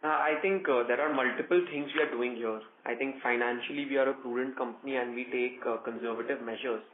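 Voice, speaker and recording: A man with an Indian accent, a company executive, giving measured, explanatory answers on an earnings call over a conference phone line. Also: medium pitch, steady tone. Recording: echoey tinny conference phone line with noise.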